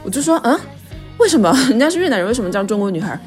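Animated woman co-host telling stories. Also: fairly high pitch, rapid-fire, soft background music. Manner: animated storyteller, acts out quoted speech. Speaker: podcast co-host. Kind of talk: casual chat.

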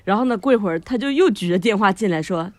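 A woman co-host recounting a story in casual chat, lively and quick to laugh between sentences. Her voice sits at a middling pitch. The recording is dry, with no room sound. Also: no echo. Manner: animated, frequent laughter, many fillers. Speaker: podcast co-host.

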